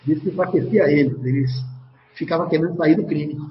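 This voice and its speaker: A man with a rather high voice recounts a personal story as an interview guest, bringing it to life by acting out other people's lines. The sound is roomy and somewhat dull, with faint noise in the background. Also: brisk. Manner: vivid retelling that often acts out others' words.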